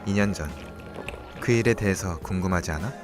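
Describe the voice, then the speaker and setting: A man's voice: sits low, faint music behind, natural voice. A man playing a smug scheming young mastermind. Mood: coaxing. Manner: smug, measured, quietly taunting. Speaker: scheming voice actor. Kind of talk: student radio drama.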